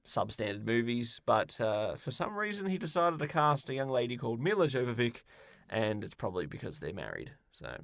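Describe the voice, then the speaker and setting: A man's voice: medium pitch, very animated, a little fast, creaky, fairly bright tone, dry recording. A man co-hosting a podcast in casual, opinionated chat, with a wry, ranting manner. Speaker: podcast co-host.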